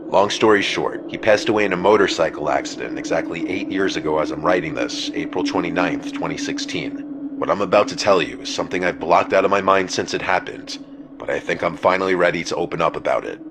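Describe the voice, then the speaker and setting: Very deep-voiced man narrating a horror tale. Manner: measured, somber reading that slows and drops low at phrase ends. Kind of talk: scripted first-person horror narration. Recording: steady ambient noise bed under the voice.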